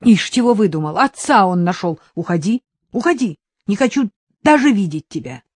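A woman voicing a distraught young mother, fierce and defensive, speaking in shrill, accusing outbursts. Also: big pitch swings, takes it slowly, warm tone, no room sound, studio quality. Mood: furious.

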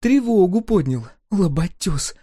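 Peasant girl figure, voiced by a man, bossy, teasing, high-pitched, dry close sound. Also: animated, a little slow, mellow, no echo. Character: sharp-tongued young peasant woman, bossy. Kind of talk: audiobook character voice.

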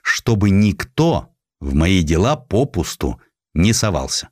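A man's voice: low voice, big pitch swings, unhurried, a little mellow, no room sound, studio quality, exaggerated voice. A man playing a blunt, passionate and headstrong Russian general in a dramatized audiobook. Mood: firm. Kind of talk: audiobook character acting.

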